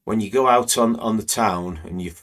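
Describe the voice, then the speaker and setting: A man hosts a live stream, commenting on stock screens in a rambling, conversational way full of fillers. His voice is croaky and a little hoarse today. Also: on the low side, moderate pace, a bit bright. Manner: conversational, rambling, many "you know" fillers. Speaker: trading educator hosting live stream.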